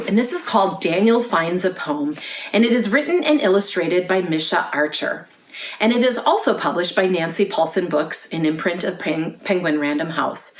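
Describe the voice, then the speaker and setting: A woman hosting a children's storytime, reading aloud in clear phrases and putting questions to young listeners. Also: on the low side. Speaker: children's librarian, storytime host. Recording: roomy, echoey indoor sound.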